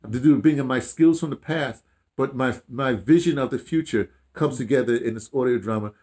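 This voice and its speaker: With a mid-range, darkish voice at a slightly fast pace, an older American audio dramatist, sixty or above, chats reflectively in an interview. Indoors in a small room at home, he tells rambling stories marked by emphasis, false starts and repetition.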